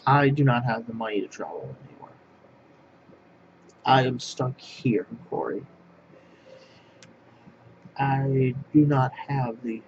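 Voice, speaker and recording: Halting, rambling man, lo-fi recording. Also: mid-range voice. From northwest Pennsylvania. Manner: halting, repeats and restarts phrases. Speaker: language vlogger. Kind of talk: rambling monologue to camera. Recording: dull lo-fi sound with clear background noise.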